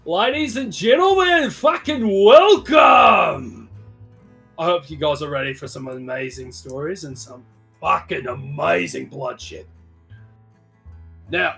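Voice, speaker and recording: A man voicing a brash, foul-mouthed arena announcer who shouts to hype the crowd, his booming voice carrying from inside an arena. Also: husky, exaggerated voice. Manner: shouting, crude, hyping the crowd. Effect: booming voice carried from inside an arena. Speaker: game master.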